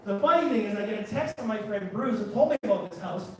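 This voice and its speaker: A man giving a live talk as a photographer, an animated, chatty storyteller who often backtracks and restarts. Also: sits high, fast, slight background noise. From Canada. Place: large room at a photography guild talk. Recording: very echoey room, far from mic, faint ambience.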